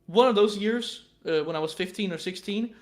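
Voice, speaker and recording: A young man in his twenties rambles through a casual live-stream chat. His voice sits a bit high for a man. He swears freely and keeps tripping over stammered restarts. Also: moderate pace. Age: 20s.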